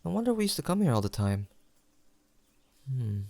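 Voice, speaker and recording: A young man playing a sentimental, teasing longtime best friend in an intimate audio roleplay, pausing for an unheard listener. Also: medium pitch, big pitch swings, gravelly, no room sound. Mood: nostalgic, fond. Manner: soft-hearted, playful banter with pauses for an unheard listener.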